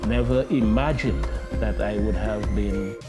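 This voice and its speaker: A man's voice: on the low side, a little slow. A man, giving a testimonial to camera. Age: 70s. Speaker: benefit recipient giving testimonial. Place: sitting room, indoors. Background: guitar music.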